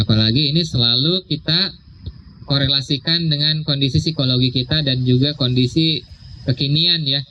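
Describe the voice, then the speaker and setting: A young man giving a casual religious talk, slowing down to stress key words and checking in with "ya". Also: medium pitch. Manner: conversational, drawn-out emphasis, frequent "ya". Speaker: religious speaker. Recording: dull lo-fi sound with faint noise.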